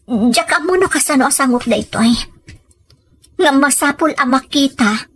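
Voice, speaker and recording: A woman playing an anxious, sincere older sister in an audio drama, with earnest, emotional, breathy delivery. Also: sits high, lively intonation, normal speed. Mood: apprehensive. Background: background music.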